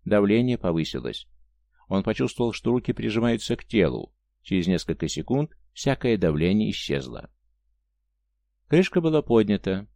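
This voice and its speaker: Мужчина-чтец аудиокниги, низкий голос, мягкий тёмный тембр, ровная подача. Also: male voice, lowish voice, big pitch swings, moderate pace, vocal fry, mellow, no echo. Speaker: narrator. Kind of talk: audiobook narration of science fiction.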